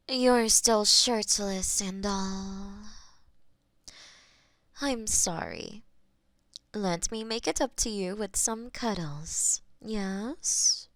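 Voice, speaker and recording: Casting: woman as a possessive female war demon, slow teasing drawl, soft whispers, dry close mic. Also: mid-range voice, no echo. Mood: tender whispering. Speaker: voice actor in audio roleplay. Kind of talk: intimate audio roleplay.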